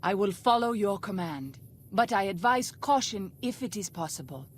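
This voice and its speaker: An actress playing a wary, loyal tribal fighter and healer in a video game, speaking in formal, measured phrases over gunfire. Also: female voice, medium pitch, expressive, natural voice. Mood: cautious, respectful. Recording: very noisy, gunfire behind the voice.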